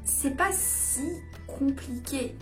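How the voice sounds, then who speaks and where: A woman's voice: high-pitched, very slow, a bit bright, soft background music. A woman coach talking casually to camera in a hyped-up, over-caffeinated way with emphatic bursts. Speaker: dating and seduction coach presenting her channel. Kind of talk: casual vlog explainer to camera.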